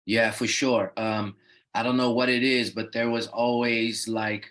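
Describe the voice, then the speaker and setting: A man's voice: medium pitch, little pitch movement, measured pace, fairly bright tone. A young man raised in the Netherlands, a rapper talking as an interview guest in a laid-back, loose way with lots of "you know what I mean" fillers. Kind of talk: casual interview talk.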